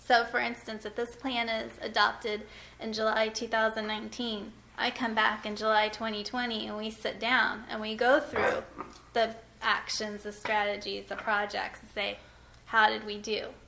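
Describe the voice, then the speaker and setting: A soft-spoken woman's fairly high, flat, monotone voice at a moderate pace, with big swings in loudness and noticeable background noise. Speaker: planning consultant. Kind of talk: presentation in board meeting. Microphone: too quiet on microphone.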